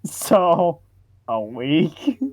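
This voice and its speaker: A man's voice: fairly high pitch, lively intonation, very slow, darkish tone, dry recording. A man reading social media posts for comedy and bantering as co-host, amused and mock-formal.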